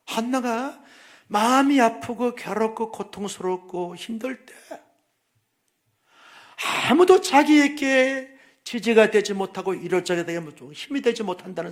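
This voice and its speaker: A male pastor preaching a sermon with feeling, repeating phrases and swinging from loud emphasis down to soft whispers. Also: high-pitched.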